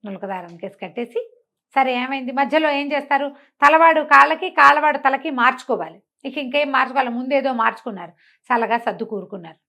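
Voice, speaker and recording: A woman with a somewhat high voice narrates a comic folk tale. She tells it in a chatty, animated manner, circling back over phrases as she goes. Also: fast talker. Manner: conversational, repeats phrases and acts out dialogue. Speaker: storyteller.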